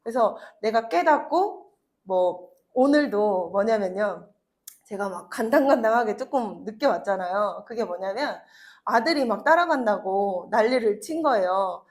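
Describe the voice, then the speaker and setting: A woman's voice: mid-range voice, lively intonation, measured pace. A woman in her thirties giving a chatty motivational talk to an audience, telling personal stories with laughs and acted-out quotes. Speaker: network marketing speaker.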